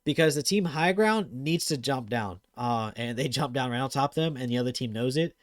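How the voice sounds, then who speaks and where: A man hosting a gaming channel, giving casual commentary over viewer clips; he talks fast and gets excited, with lots of fillers. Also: mid-range voice, dry recording, studio quality.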